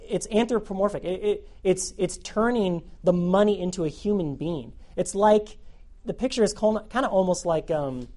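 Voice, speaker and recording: Animated male youth pastor preaching. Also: sits high. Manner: animated, repeats phrases for emphasis. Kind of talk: sermon.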